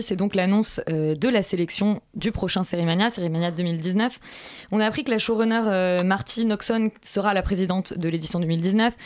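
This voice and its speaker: A woman hosts a radio film show in relaxed, chatty talk. She moves briskly from one segment to the next. Her tone is playful and light. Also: fairly low pitch. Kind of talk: casual radio chat.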